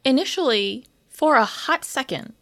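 A woman co-hosting a casual sports podcast, chatty with lively asides and fillers. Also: sits high, a little slow. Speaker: podcast co-host.

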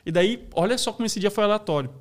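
A man talking in a casual podcast chat, an animated storyteller who says "né" and "daí" a lot. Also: high voice, fast talker. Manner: animated storyteller, acts out voices.

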